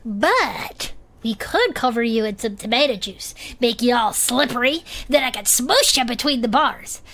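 A woman voicing a gentle, earnest creature with a shell garden, sweet and a little fussy, in a comedic audio drama. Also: fairly high pitch, animated, measured pace.

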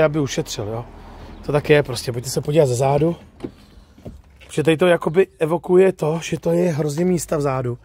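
A male car vlogger with a mellow voice on the high side chats his way through a walkaround at a used car lot. After starting outside, he moves inside the car for a test drive, staying informal and finishing sentences with "jo."

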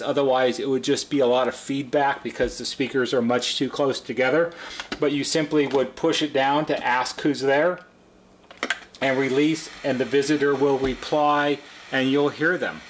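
A man's voice: medium pitch, slight background noise. A middle-aged man presenting an unscripted how-to demonstration at a workbench, explaining step by step in a plain-spoken way like a repair technician. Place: indoor workshop at a workbench.

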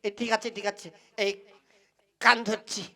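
A woman voicing a slightly foolish young boyfriend, halting and placating, in a comic puppet play. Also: mid-range voice, level tone, pushed and bright, soft background music.

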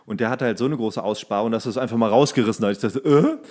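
A man's voice: medium pitch, very fast, darkish tone. A man co-hosting a podcast, rambling enthusiastically in casual, slangy, comedic chat. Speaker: podcast co-host.

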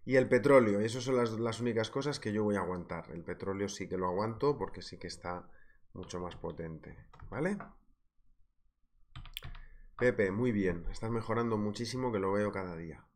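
A man's voice: fairly low pitch, normal speed, a little mellow. A man with a Spain Spanish accent who teaches trading in a live webinar, talking in a chatty, joking way and greeting viewers by name. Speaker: trading instructor. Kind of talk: live webinar, market analysis.

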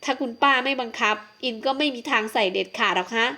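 A woman's voice: sits high, fairly even intonation, moderate pace, bright, forceful tone. A woman voicing a polite, bashful tomboyish young woman in an audiobook. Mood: sulky.

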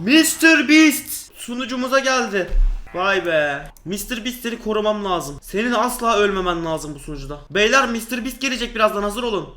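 Man, young adult, gameplay commentary, bright, echoey room, joking, talks to viewers. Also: high-pitched, slight background noise. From Turkey. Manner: excitable, joking, talks to the viewers and game animals. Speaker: gaming YouTuber.

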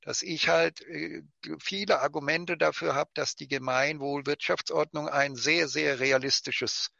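A man with an extremely gravelly, creaking voice at a medium pitch moderates an online discussion. He is hesitant and deliberate. The audio is dry and somewhat muffled. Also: fairly even intonation, sharp tone, no room sound. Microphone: video call. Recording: dull, lo-fi video-call audio.

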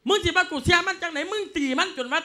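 A man doing a shrill scolding old Isan mother. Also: rapid-fire, bright, forceful tone, heavily acted. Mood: scornful. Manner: coarse, scolding, laughs while talking. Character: bossy scornful old village mother. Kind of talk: Isan sermon folk drama.

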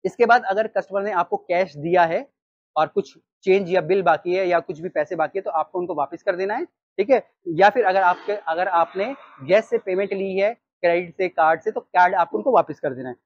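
Animated, husky-voiced Indian man teaching. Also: high voice, moderate pace, no room sound, muffled recording. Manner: animated, gestures while reading from a sheet. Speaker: restaurant trainer. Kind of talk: training talk. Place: storefront of a small takeaway, outdoors. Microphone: lapel mic.

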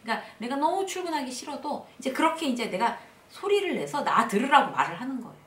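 A woman host giving a casual spoken lesson on workplace confidence, acting out upbeat self-talk in a lively way. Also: sits high, fast, echoey room, distant mic. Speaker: workplace lecturer and channel host.

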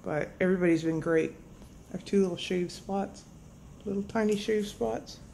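A middle-aged woman talking in a dazed, groggy, halting way after anesthesia, in a casual video diary recorded on a phone from a hospital bed. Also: mid-range voice, gravelly, dark tone, a little hiss or hum. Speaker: patient vlogging after surgery. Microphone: phone at arm's length.

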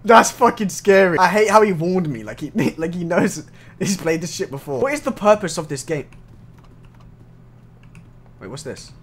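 A man's voice: a little high, very animated, normal speed, pauses often, slight background noise. A young man giving casual gameplay commentary, jumpy and laughing, swearing and yelping when startled. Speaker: gaming streamer.

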